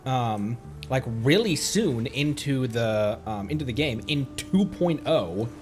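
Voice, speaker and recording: A man's voice: medium pitch, expressive, slow. Casual rambling male streamer, music behind. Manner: rambling, thinking aloud. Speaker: livestreamer, VTuber. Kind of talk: casual game livestream chat.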